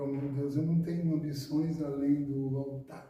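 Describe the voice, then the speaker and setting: A man speaks with monotone, flat intonation and a somewhat breathy, dark, mellow tone. His pitch is fairly high and his pace fairly slow. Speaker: pastor. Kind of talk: sermon. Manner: intense.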